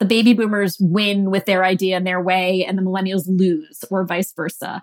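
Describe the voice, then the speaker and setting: This woman has a normal speaking voice at a medium pitch. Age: 40s. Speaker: author and workplace generations expert. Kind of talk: interview.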